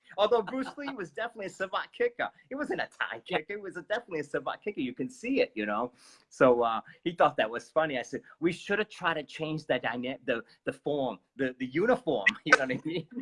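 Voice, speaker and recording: Against a dry, close sound with no echo, a man with an American accent talks at a very fast pace in a high pitch, with very wide pitch swings and a bright, sharp tone. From Boston area, Massachusetts. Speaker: martial arts instructor. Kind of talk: interview conversation. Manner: halting, many false starts.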